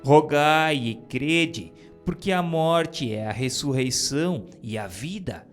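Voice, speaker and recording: A man's voice: a little high, expressive. A man voicing a solemn preaching spirit. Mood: solemn, exhorting. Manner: grave, measured, declamatory. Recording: faint music underneath. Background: soft music.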